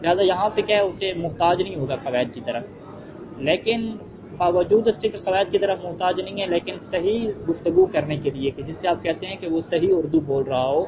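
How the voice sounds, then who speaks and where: A male teacher lecturing a class, explaining an Arabic text line by line, answering his own questions and reading the Arabic slowly. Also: high voice, crowd noise. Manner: asks rhetorical questions and answers them, reads Arabic phrases slowly. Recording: muffled with heavy background noise.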